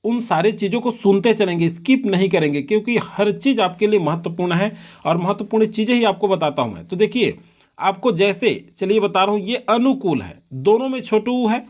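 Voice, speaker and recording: A male teacher giving an exam-prep lesson on correct spelling, slowly repeating words to drill them. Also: high voice, animated.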